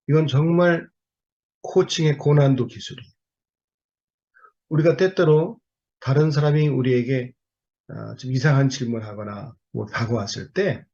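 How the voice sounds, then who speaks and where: A man's voice: medium pitch, darkish tone, breathy edge, dull audio. A man preaching a sermon who keeps putting emphatic rhetorical questions to his congregation.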